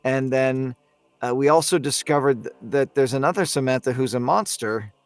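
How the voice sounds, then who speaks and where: A man in a relaxed podcast discussion, speaking at a middle pitch in a very dry recording. He phrases his thoughts hesitantly and thoughtfully, as if working them out while he talks. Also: moderate pace, dry recording. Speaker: podcast panelist. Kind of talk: casual group discussion of a story.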